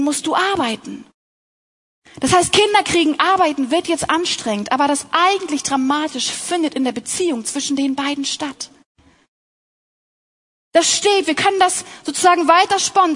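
High-voiced woman giving a sermon. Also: a bit bright. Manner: earnest, personal, addresses women directly. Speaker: speaker at a Christian talk.

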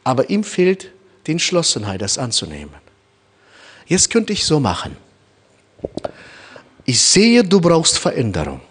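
A man's high voice, born in Kazakhstan and carrying a noticeable foreign accent, preaches to his congregation. His pitch leaps and falls constantly as he acts out small scenes and turns to his listeners with direct questions. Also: huge pitch swings, unhurried, long pauses, a bit bright, husky. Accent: Kazakh-born, speaking German with a noticeable foreign accent. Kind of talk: sermon.

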